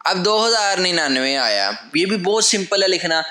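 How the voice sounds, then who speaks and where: A man's voice: high voice, lively intonation, moderate pace, bright, forceful tone. A man teaching a lesson at a whiteboard. He explains patiently, step by step, and repeats his key phrases. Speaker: language teacher. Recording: echoey room.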